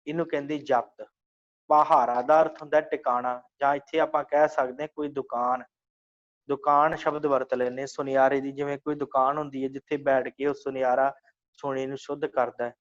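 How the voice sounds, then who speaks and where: Man slowly chanting and explaining verses. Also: mid-range voice, lo-fi sound. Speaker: teacher of scripture reading. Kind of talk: online religious class, line-by-line explanation.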